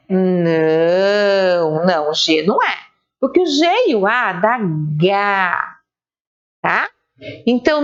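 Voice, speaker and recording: Slow sing-song teacher woman, lo-fi. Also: mid-range voice. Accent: Brazilian Portuguese. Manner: slow, sing-song syllable-by-syllable spelling, praising children. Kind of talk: online literacy lesson for young children.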